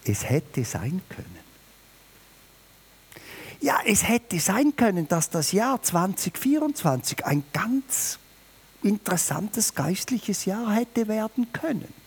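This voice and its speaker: A man preaching a New Year sermon, emphatic and lively, speaking directly to his listeners. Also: measured pace, husky. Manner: lively, emphatic, varies pitch and volume, addresses listeners directly.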